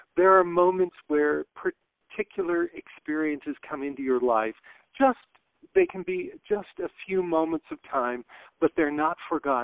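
This man, with an ordinary speaking voice and an American accent, talks fairly slowly at a fairly high pitch with lively intonation. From Los Angeles, US West Coast. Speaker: textile artist and educator. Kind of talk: interview.

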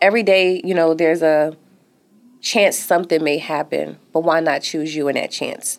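A woman with a fairly low pitch and an American accent. She speaks at a moderate pace with fairly even intonation. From Philadelphia, Pennsylvania. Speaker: entrepreneur and community leader. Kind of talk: interview.

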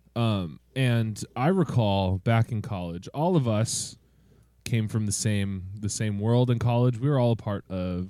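A man with an American accent talks at a fairly slow pace in a fairly low voice with a dark, mellow tone. His pitch varies in an ordinary way, and the recording is very clean with a silent background. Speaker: podcast host. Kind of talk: casual chat. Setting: studio. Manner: animated.

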